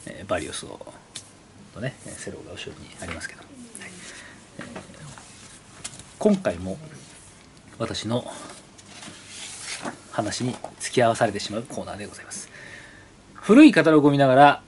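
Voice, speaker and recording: A man's voice: fairly low pitch, big pitch swings, background noise. A man hosting his motorcycle channel, chatting casually and rambling as he leafs through an old brochure, asking the viewer questions. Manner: reads brochure copy aloud slowly.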